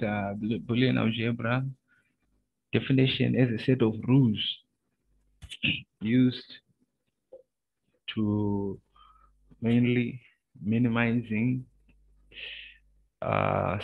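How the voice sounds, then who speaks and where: Halting lecturer on a screen-recorded call. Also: male voice, mid-range voice, fairly even intonation, vocal fry, slightly rough. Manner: slow, halting, many pauses and filler sounds. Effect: screen-recorded video-call audio. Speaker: university lecturer. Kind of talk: online lecture over shared screen. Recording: narrow, phone-like video-call audio.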